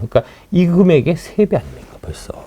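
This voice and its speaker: A man's dark, mellow tone at a fairly quick pace, dry and close with no echo. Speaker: stock market commentator. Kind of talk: investment advice talk.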